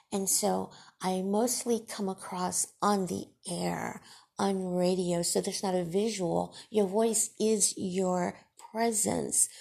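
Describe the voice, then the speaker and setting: Slow, gravelly-voiced woman podcast host. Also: medium pitch, a little mellow. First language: Farsi. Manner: deliberate, emphatic, scolding. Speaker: podcast host and radio broadcaster. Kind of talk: solo podcast monologue.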